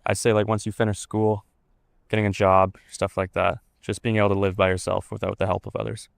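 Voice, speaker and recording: A man's voice: fairly low pitch, little pitch movement, fairly quick, vocal fry, no echo. A man in his twenties, a student, giving plain, laid-back answers. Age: 20s. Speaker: university student.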